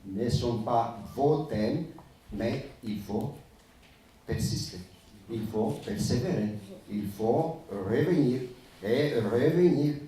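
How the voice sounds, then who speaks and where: A man's voice: mid-range voice, slow pace, mellow, a little hiss or hum. A man commenting on a literary panel in a conference hall, emphatic yet hesitating with fillers. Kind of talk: panel discussion. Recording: echoey hall from far off.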